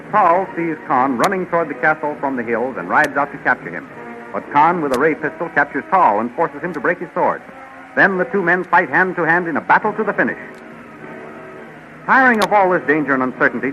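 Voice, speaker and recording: A man's voice: on the high side, sharp tone. A man announcing and narrating a 1930s radio serial in a dramatic, declamatory style. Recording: muffled, noisy 1930s radio recording.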